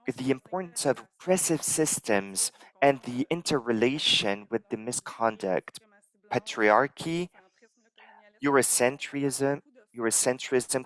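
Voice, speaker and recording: A man interpreting a conference talk live into English, measured and halting, pausing as he translates. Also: medium pitch, rough recording. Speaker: simultaneous interpreter.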